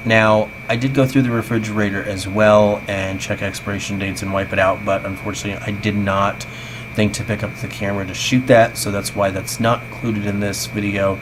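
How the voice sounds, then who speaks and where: A man with a fairly low voice chats casually as he narrates a home vlog. The sound is tinny, like talking through a tin can, on a basic microphone. Clear background noise sits behind the voice. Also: level tone, a little fast. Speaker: vlogger. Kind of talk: casual voice-over narration of housecleaning. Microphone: basic home microphone, voice-over.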